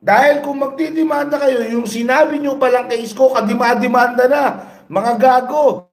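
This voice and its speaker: A man's voice: very high-pitched, fairly even intonation, fairly quick, reverberant. A man giving a profane, angry political rant with mocking rhetorical questions, recorded on a cellphone. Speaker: political vlogger. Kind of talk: profane ranting commentary.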